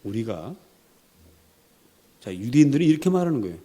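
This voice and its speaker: A man's voice: mid-range voice, big pitch swings, brisk, mellow. A man preaching a sermon in a church, dramatic and emphatic, acting out quotations as he goes. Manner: dramatic, acts out quotations, rising to emphatic peaks. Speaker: pastor. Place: church sanctuary.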